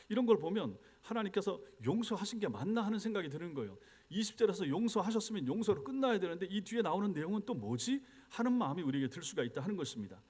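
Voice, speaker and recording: A male pastor preaching an expository sermon, walking the congregation through verses with frequent rhetorical questions. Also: fairly high pitch. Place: church sanctuary.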